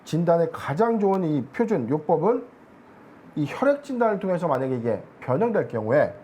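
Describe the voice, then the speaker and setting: Man analyst on a stock show, steady explaining tone, lots of filler words. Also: a little high, brisk, slight background noise. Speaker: stock market analyst guest.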